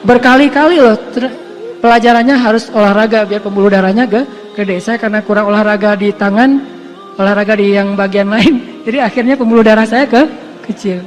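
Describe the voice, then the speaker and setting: Male preacher, very high voice, casual storytelling sermon, acts out characters, faint music under. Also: fairly quick. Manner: lively, acts out quoted voices, self-deprecating asides. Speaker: Islamic preacher.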